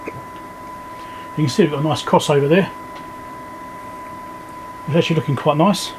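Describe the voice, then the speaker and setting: Man with a higher-pitched voice, noisy recording. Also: normal speed. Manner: informal, thinking aloud while working. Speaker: electronics repair video host. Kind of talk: casual hands-on repair walkthrough. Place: indoor electronics workbench.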